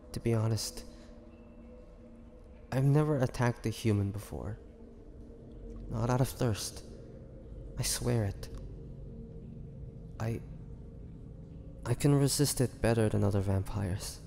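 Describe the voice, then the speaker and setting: Man acting as an old-world vampire, wistful, gentle, creaky, halting, intimate audio drama, faint background noise. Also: mid-range voice. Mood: earnest, pleading. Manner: halting, hesitant, measured, with pauses. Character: ancient, trapped male vampire, gentle and wistful. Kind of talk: scripted audio roleplay monologue, intimate.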